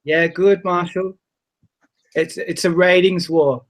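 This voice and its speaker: A man calls into a live stream and chats with easy humor. His voice sits a little higher than most men's. He keeps the tone light and upbeat. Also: steady tone, takes it slowly. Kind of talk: casual chat.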